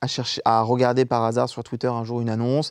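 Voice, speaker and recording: This man talks at a medium pitch, and the background is quiet. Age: 30s. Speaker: film journalist. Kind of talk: casual interview. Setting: small cinema. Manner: halting.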